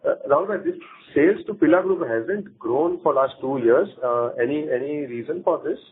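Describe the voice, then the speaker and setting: A man with an Indian accent asking questions as an analyst on an earnings call, politely and haltingly, rephrasing as he goes. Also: on the high side, expressive, husky. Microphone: phone conference call. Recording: tinny, radio-like phone line.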